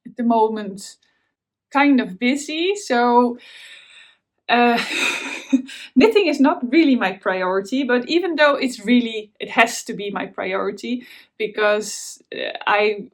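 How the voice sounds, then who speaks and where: A woman's voice: fairly high pitch, measured pace. A Dutch woman with a Dutch accent hosting a knitting vlog, talking in a casual, hesitant way with many fillers and restarts. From Netherlands. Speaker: knitting podcast host. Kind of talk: casual chat to camera.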